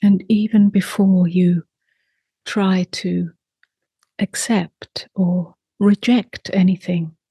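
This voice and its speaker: Guiding a meditation, a female teacher speaks very slowly in short phrases separated by long silences. Her slightly low, mellow voice is soft and breathy, at times near a whisper, with a steady tone and no echo.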